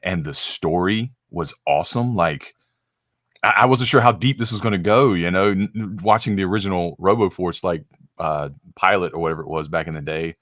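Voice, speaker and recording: A man co-hosting a casual review chat, eager and excited, stumbling and repeating words as he talks. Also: low voice, fairly quick, dry recording, clean studio sound. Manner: eager, stammering, with many fillers. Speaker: podcast co-host.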